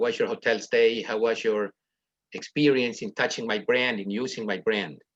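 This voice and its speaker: This man talks with a Spanish accent, at a medium pitch and with ordinary pitch variation. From Ecuador. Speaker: business consultant. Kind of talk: webinar presentation. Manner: halting, many fillers.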